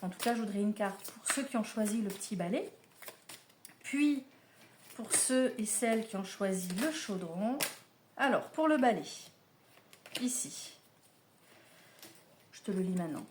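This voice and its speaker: A woman's voice: mid-range voice, animated, measured pace, long pauses, background noise. A woman giving a casual spiritual oracle card reading to camera, chatty and familiar, speaking straight to the listener. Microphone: camera mic, filmed mirrored.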